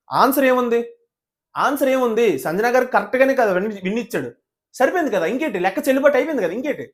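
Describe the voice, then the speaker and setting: A man speaks at a rapid clip in a notably high voice. He sounds indignant and keeps hammering rhetorical questions. He mocks people by quoting them. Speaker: reality show reviewer. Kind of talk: animated opinion commentary.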